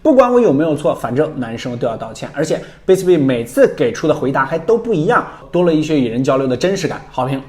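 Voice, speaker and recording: A man's voice: fairly high pitch, big pitch swings, fast talker, few pauses, darkish tone. A man hosting a tech review, narrating from a script with playful, wry commentary.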